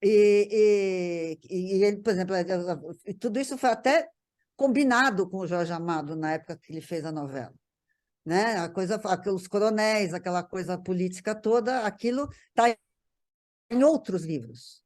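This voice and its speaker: Brazilian woman, conversational panel guest, stop-start delivery with repeated words, mid-pitched voice. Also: a little mellow. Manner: halting, repeats words while searching for phrasing. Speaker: panel guest discussing a TV writer's work. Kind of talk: casual conversational recollection.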